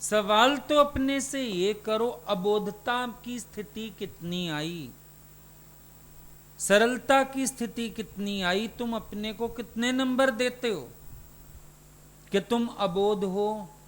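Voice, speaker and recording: A man's voice: high voice, slow, fairly bright tone. A man, a spiritual teacher, giving a satsang sermon and putting questions to his listeners.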